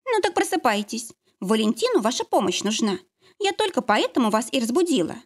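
A woman voicing a curt, haughty ex-wife who speaks in a strict, pushy, sharp way. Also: a little high, big pitch swings, fairly quick, voice pushed up. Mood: cold, insistent.

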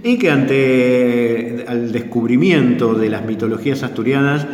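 A man from South America hosting a radio talk show, explaining things in a hesitant way with many pauses and fillers. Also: medium pitch, darkish tone. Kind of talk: casual explanatory radio chat. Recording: echoey room with long reverb.

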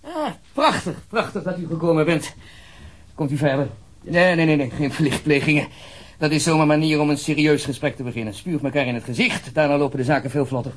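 An actor playing a pompous, self-important ministry official in a radio drama, fussy and emphatic in delivery. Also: male voice, fairly high pitch, natural voice. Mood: effusive, jovial. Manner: fussy, emphatic, halting, swearing.

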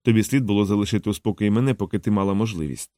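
Man playing a hardened ex-soldier, low, quiet, soft-spoken, firm, dry sound. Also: racing, no echo, natural voice. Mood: quiet threat. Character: hardened male ex-soldier, calm and quietly threatening.

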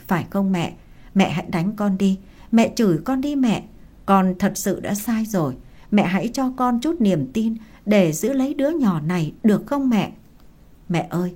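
A grieving teenage girl, voiced by a woman in a storybook drama, sobbing and pleading, higher than the narrator. The voice keeps a mellow, soft tone. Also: natural voice.

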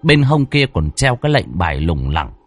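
A man's voice: low-pitched, very animated, moderate pace, soft background music. A man narrating a ghost story in a dramatic, vivid storytelling manner.

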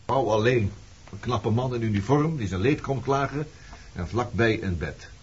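An actor playing a bitter, accusing former resistance man in a Dutch radio drama, sardonic and deliberate as he probes. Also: mid-range voice, lively intonation, a little mellow, a little hiss or hum, natural voice. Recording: dull lo-fi radio play recording.

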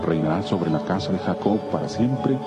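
An actor playing a majestic angel messenger of God in solemn, declamatory scripture drama. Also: male voice, deep voice, lively intonation, moderate pace. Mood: solemn, reassuring. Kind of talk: dramatized scripture audio acting. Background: loud music.

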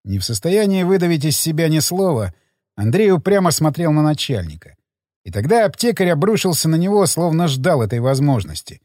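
Man narrating an animated audiobook. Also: on the high side, fairly quick, no echo, clean studio sound. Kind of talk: expressive scripted narration.

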